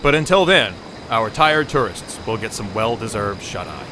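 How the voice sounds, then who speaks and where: A man's voice: lowish voice, animated, moderate pace, noisy background, natural voice. A man narrating an audio drama in a composed, drily amused storytelling manner. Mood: composed, dry.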